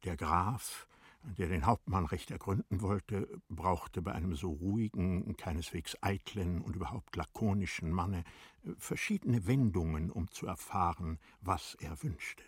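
A man narrating a literary radio play from a script, in measured, formal storytelling. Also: low voice, slightly rough, no echo, clean studio sound.

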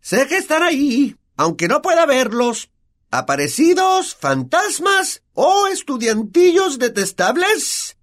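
Peeves, a shrill sneering poltergeist. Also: male voice, huge pitch swings, slow pace, a bit bright, heavily acted. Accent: Latin American Spanish. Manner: wheedling, then sneering. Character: spiteful floating male poltergeist, fawning when scared.

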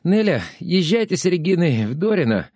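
A man voicing an elderly woman who is shrill, agitated and commanding, in an audiobook. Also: big pitch swings, moderate pace, dark tone, no room sound, studio quality. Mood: frantic. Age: older.

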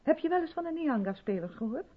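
An actress playing an effusive, self-absorbed white South African theatre director in a 1970s Dutch radio play, chatty and patronising in a theatrical way. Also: female voice, sits high, big pitch swings, fast. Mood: chatty, purposeful. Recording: dull vintage radio recording.

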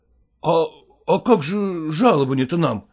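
A man's voice: fairly high pitch, animated, unhurried, darkish tone. A man voicing an agitated, hot-tempered male actor who speaks in a heated, insistent way. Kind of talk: audiobook character voice.

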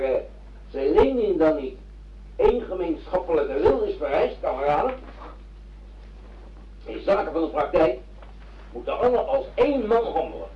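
Echoey, high-pitched pompous socialist orator. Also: male voice. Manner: declamatory, pompous. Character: ranting, bossy socialist father on a tape recording. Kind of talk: political speech in a radio play. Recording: echoey, distant, dull tape with noise.

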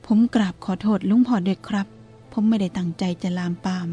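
A woman's voice: medium pitch, fairly even intonation, brisk, mellow, faint music behind, lightly acted. A woman voicing a naive young male monk who speaks politely and earnestly to his teacher. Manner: polite, earnest, self-reproaching.

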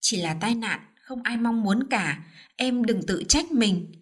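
A woman voicing a gentle young wife who speaks softly and soothingly. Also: on the high side, animated, takes it slowly, breathy edge, full character voice. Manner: soft, soothing. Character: kind young wife, anxious and comforting.

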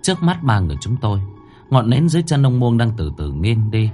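A man's voice: mid-range voice, big pitch swings, fairly quick, darkish tone. A man narrating a horror story in a dramatic, suspenseful manner. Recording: faint music bed under the voice.

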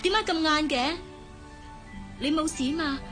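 An actress with a Hong Kong Cantonese accent playing a lively, protective young sister in a radio drama, talking quickly and teasingly. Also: female voice, high-pitched, over loud music. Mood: worried.

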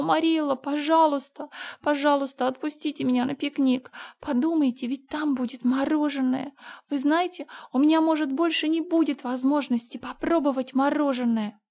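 A woman's voice: medium pitch, darkish tone, lightly acted. An actress playing Anne, a dreamy, dramatic orphan girl of about eleven, with emotional, theatrical pleading. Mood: desperate pleading.

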